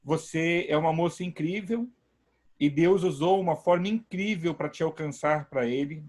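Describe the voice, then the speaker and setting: A man's voice: a little high, moderate pace, a little mellow. A man, a pastor hosting an online service from home, speaking emphatically and praising God. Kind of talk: warm preaching talk.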